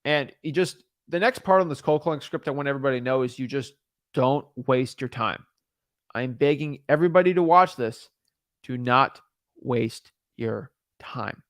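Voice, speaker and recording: A man's voice: mid-range voice, moderate pace, dry recording, clean studio sound. A young man giving rambling, repetitive real estate advice, full of fillers and restarts. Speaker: real estate wholesaling coach. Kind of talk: casual talking-head advice.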